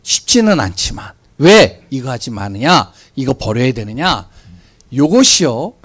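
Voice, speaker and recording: A man who is a pastor, preaching a sermon with animated storytelling and rhetorical questions, often dropping suddenly to a quiet voice. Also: mid-range voice, a little slow, husky.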